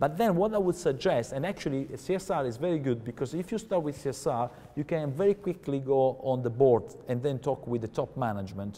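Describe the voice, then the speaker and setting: Here a man speaks in an Italian accent. His pitch is fairly high and his intonation lively. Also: fairly quick pace. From Italy. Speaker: professor. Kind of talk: lecture. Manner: halting.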